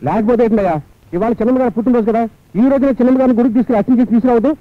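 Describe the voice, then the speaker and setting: A talkative young servant who flatters nonstop in a high, rapid voice. The sound is thin and phone-like, with film music underneath. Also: male voice, no room sound. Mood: flattering. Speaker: film hero. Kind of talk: Telugu film dialogue.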